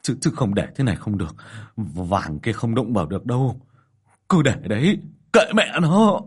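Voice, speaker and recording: A man's voice: fairly low pitch, sing-song, moderate pace, husky. A man voicing a panicked middle-aged village husband who stammers urgently.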